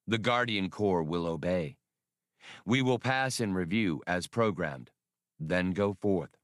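An ancient war robot commander played by a male audiobook reader intones in a deep, resonant voice. The delivery is rigid, formal and without emotion, all military precision. The sound is close and dry. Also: lively intonation, slow, dry recording. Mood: cold, formal.

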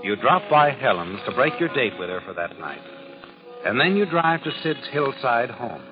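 A man's voice: medium pitch, sing-song, moderate pace, close to an everyday voice. An American actor playing a sly, all-knowing narrator in a 1940s radio crime drama, needling his listener in a knowing, insinuating way. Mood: ominous, taunting. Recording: dull vintage 1940s radio broadcast, loud music. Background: dramatic music.

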